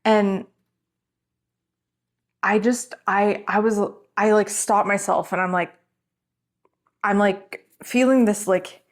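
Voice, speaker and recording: A woman's voice: medium pitch, steady tone, slow, pauses often. A woman in her thirties, telling a long story to camera in a rambling, chatty way, often yawning. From Canada. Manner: rambling and chatty, full of "like" and self-corrections. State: yawning, has an ear infection. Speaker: vlogger. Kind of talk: casual storytelling vlog.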